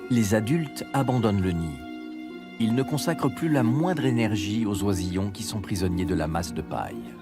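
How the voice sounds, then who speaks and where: A man's voice: lowish voice, expressive, moderate pace. A man reading scripted narration for a nature documentary, with music behind him. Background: background music.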